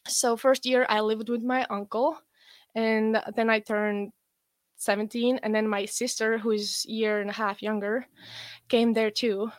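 A young woman with an Estonian accent, a guest athlete chatting in an interview, relaxed and rambling with many fillers. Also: fairly high pitch, measured pace, dry recording, studio quality. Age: young adult. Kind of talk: casual interview chat.

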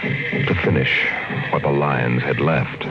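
Deep, solemn male radio narrator. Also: steady tone, slow, poor audio. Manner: solemn, portentous. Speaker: host and narrator. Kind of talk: dramatic 1950s radio narration. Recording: old 1950s radio recording, loud music behind.

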